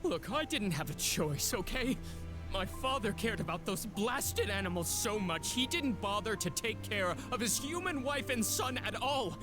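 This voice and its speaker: A man's voice: high voice, sing-song, normal speed, music in the background. An actor playing a guilty, cowardly man who pleads and makes excuses when caught. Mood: pleading. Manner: pleading, defensive, self-pitying. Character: cowardly guilty male smuggler begging for mercy. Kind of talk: game voice acting.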